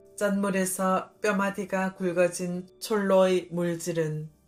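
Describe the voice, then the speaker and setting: Over music in the background, a woman speaks very slowly in a monotone, flat intonation. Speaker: recitation performer. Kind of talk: literary essay reading.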